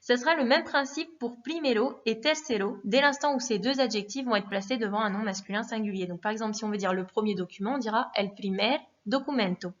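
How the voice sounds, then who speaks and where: A woman teaching a lesson in a patient, methodical way, repeating forms and pausing with fillers. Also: fairly high pitch. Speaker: Spanish teacher. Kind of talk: recorded classroom lesson. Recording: dull lo-fi recording.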